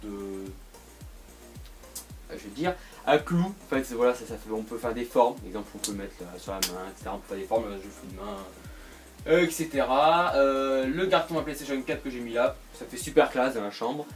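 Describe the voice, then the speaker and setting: A young man talks his way around his bedroom in a loose, rambling room-tour vlog, full of fillers, restarts and offhand jokes. He speaks at a mid pitch, picked up by a camera standing on a tripod in the room. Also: animated, moderate pace, faint music behind. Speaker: YouTuber.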